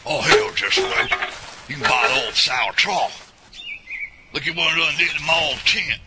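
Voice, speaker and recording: A man's voice: on the high side, expressive, unhurried. A man playing a hot-tempered, gun-loving hillbilly in an audio drama, grumbling folksily with a rural Southern US accent. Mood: disgruntled, exasperated. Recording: loud noise, outdoor bird sounds.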